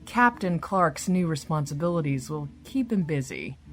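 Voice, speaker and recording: A low female voice, as a composed senior agent in an audio drama. She is formal, measured and persuasive, with music faintly underneath. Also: animated.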